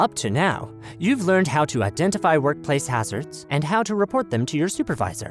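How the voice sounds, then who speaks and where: Music plays in the background as a man talks at a fairly quick pace. His fairly high voice moves in very wide pitch swings. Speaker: voice actor. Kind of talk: e-learning narration. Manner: natural, own voice.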